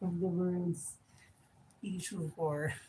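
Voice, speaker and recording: Speaking very slowly, a woman uses a fairly low, somewhat breathy voice with a dark, mellow tone. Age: 40s. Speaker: yoga and exercise streamer. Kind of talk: live stream chat.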